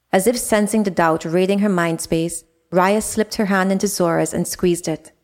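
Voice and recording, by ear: The background stays quiet. Against it, the speaker reads aloud in a natural voice.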